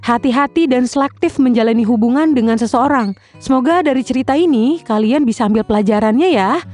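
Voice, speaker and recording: A woman's voice: on the high side, darkish tone. A young woman telling her own story in candid, slangy, casual speech. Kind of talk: casual first-person storytelling.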